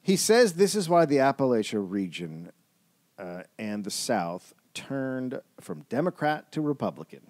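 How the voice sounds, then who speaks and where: A man co-hosting a comedy podcast, with a mid-pitched voice that moves up and down a lot. He reads quotes aloud and shoots them down with exasperated swearing. He is recorded close and dry. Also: very animated, measured pace, a little mellow, no echo. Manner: exasperated, profane reading of quotes. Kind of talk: casual comedic banter.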